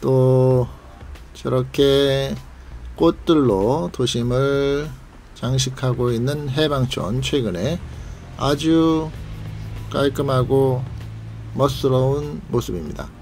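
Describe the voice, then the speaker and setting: A man's voice: medium pitch, slow pace, darkish tone, faint music behind. A man hosting a travel vlog, narrating a leisurely tour in a guide-like way and pointing out sights. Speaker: vlog host.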